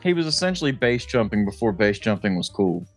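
A man's voice: on the low side, sing-song, a little fast, faint music behind. An American man co-hosting a podcast, telling stories in a casual, comedic way, swearing freely and laughing as he talks. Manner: laughs while talking, swears freely, jokey storytelling. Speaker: podcast co-host.

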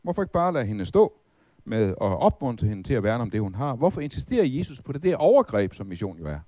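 A middle-aged man preaching with a mellow, warm tone and a lively, swinging pitch. He asks the listeners one rhetorical question after another. The recording is dry and close, with no room sound. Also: dry recording. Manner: lively, rhetorical questions, recites hymn verses. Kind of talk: Bible teaching talk.

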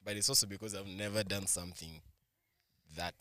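A man's voice: deep voice, steady tone, fairly quick, pushed and bright, no echo. A young man talking casually in a group conversation with friends. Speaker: podcast participant.

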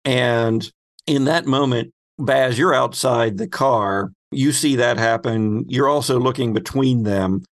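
A man serving as host and game master narrates an improvised story conversationally, pausing now and then to search for words. His voice is medium in pitch.

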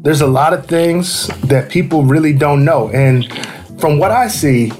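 A man's voice: fairly high pitch, a little slow, darkish tone, soft background music. Enthusiastic man hosting a podcast. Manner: friendly, enthusiastic, filler-heavy. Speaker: podcast host. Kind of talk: casual podcast interview.

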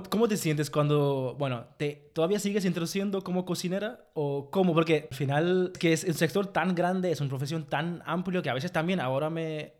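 A man hosting a conversational podcast interview, speaking haltingly with non-native phrasing. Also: on the high side. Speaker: podcast host interviewing a guest.

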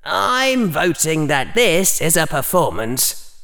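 A man's voice: fairly high pitch, very animated, bright, forceful tone, voice pushed up, full character voice. A man voicing a skeptical, analytical inner critic in an audiobook reading. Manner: measured, doubting.

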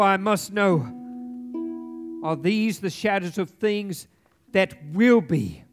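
An actor playing a frightened, repentant old miser in a live radio play, declaiming and pleading with theatrical weight. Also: male voice, high-pitched, fairly bright tone. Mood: anxious pleading. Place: theatre stage, live before an audience. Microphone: shared stage microphone.

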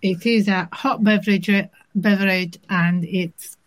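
A woman with an Italian accent, an interview guest who explains things in a measured, thoughtful way with many pauses. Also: mid-range voice, steady tone. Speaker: interview guest, inclusion manager. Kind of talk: conversational interview.

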